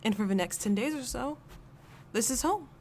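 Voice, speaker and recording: A woman's voice: on the high side, expressive, moderate pace, slight background noise. A woman reading scripted credits as the creator and narrator of a podcast. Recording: loud music under voice.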